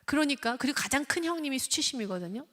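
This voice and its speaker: Woman, church lecture, engaging, questions the audience, slightly high voice, echoing sanctuary. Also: expressive, fast talker, a bit bright. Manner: engaging, asks the audience questions, acts out examples. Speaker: lecturer and counselor. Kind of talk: lecture at a weekday church service. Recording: church hall reverb.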